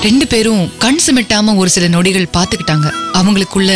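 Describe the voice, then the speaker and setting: A woman narrating a radio drama with expressive storytelling. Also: mid-range voice, a little fast, over music.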